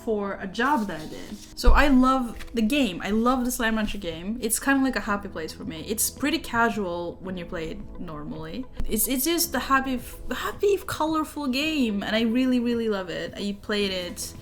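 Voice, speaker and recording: A woman's voice: a little high, lively intonation, normal speed, hardly any pauses, faint music behind. A young woman with a Norwegian accent, a native Norwegian speaker, chatting casually in a show-and-tell vlog, rambling with many fillers. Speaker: vlogger.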